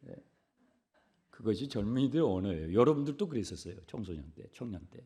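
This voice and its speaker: Animated pastor, whispers then booms. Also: male voice, fast talker, slightly rough. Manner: swings between hushed whispers and loud emphatic repetitions; conversational, asks the congregation questions. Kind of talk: sermon. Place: church sanctuary pulpit.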